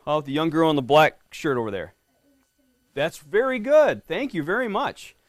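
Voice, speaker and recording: A man's voice: a little high, sing-song, normal speed, no room sound. Friendly middle-aged man reading to kids. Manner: friendly, quizzing the kids, often asks "right?". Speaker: police lieutenant reading to students. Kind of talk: reading a picture book to a class. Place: elementary school classroom.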